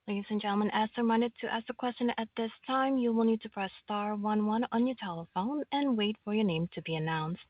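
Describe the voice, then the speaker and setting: A woman's voice: medium pitch, dry recording. A woman working as a conference call operator gives formal, scripted procedural instructions. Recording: dull, dry conference line audio.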